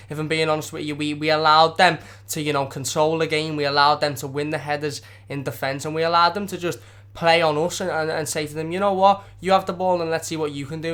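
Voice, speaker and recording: A young man, hoarse from a sore throat, hosting a live-stream football match review in a passionate, rambling way. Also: on the high side, a bit bright. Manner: passionate, rambling, many repeated words. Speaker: football fan channel host. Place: at home.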